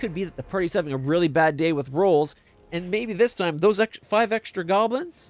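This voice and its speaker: A man talks at a fairly quick pace with a high pitch. His pitch varies in an ordinary way. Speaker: gaming streamer. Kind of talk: casual chat.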